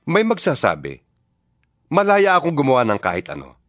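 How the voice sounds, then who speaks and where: A man's voice: mid-range voice, huge pitch swings, normal speed, a bit bright, no echo, clean studio sound. A man playing a stern, impassioned apostle in a dramatized scripture reading, admonishing his church with emphatic, preacherly delivery. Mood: firm, reasoning. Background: music behind the voice.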